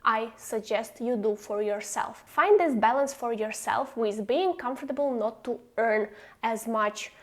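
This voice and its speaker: A woman's voice: fairly high pitch, unhurried. A woman from Ukraine with a Ukrainian accent, a non-native speaker, giving explanatory commentary straight to her viewers in an emphatic, opinionated manner. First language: not English. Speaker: host of a stock investing channel.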